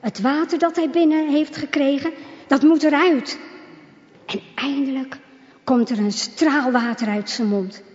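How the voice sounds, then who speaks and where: A woman narrating a religious children's story, reading in a slow, measured way. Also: high voice, steady tone, darkish tone. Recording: reverberant, dull lo-fi sound.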